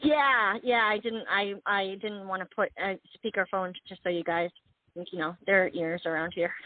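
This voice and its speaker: A woman calling in to a show over the phone, laughing often and reading her poem aloud slowly. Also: mid-range voice, dry recording. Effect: heard over a phone line. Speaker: caller. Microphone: phone held to the ear. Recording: tinny dry phone line.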